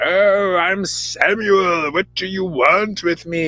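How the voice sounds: Someone does a put-on character voice at middle pitch and a very slow pace.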